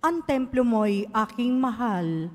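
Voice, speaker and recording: A woman reading scripture aloud as lector at a church service, in a measured, solemn way. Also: fairly high pitch, expressive. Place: large church. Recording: long church reverb.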